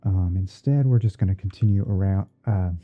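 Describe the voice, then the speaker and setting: A man playing a gentle, easygoing TV painting instructor in a halting, murmured ASMR livestream roleplay. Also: low-pitched, highs cut off, lightly acted. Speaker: livestream host. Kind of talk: ASMR roleplay livestream while editing images.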